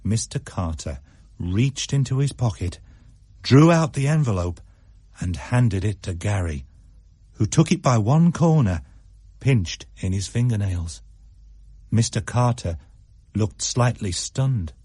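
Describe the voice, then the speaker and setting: A man reading a story aloud as narrator in an expressive, animated way, recorded in a studio. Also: lowish voice, slow pace, long pauses, breathy edge, dry recording.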